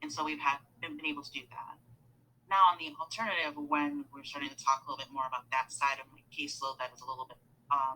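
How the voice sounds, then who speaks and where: Very fast speech in a bright, sharp tone, with fairly even intonation and big swings in loudness. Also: man, fairly high pitch for a man. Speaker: therapist. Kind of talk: panel discussion in a training webinar. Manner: hesitant, many fillers.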